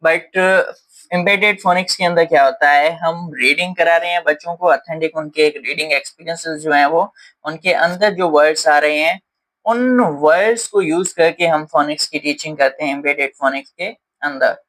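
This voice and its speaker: Male teacher, slightly high-pitched, patient and explanatory lecture delivery. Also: moderate pace, a bit bright, rough recording. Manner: patient, explanatory, frequent fillers. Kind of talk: explaining lesson in Hindi-English mix.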